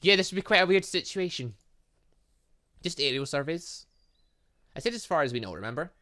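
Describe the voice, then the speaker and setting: Guy doing lets play commentary, kinda high bright voice, sarcastic asides while reading lines out. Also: animated, a little fast. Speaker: gaming channel host. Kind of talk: let's play commentary, reading game dialogue aloud.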